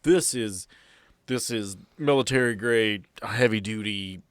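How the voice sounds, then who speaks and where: A man running a tabletop game as game master, describing scenes in a relaxed way with dry humor. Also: fairly low pitch, a little slow, clear, resonant tone, dry recording.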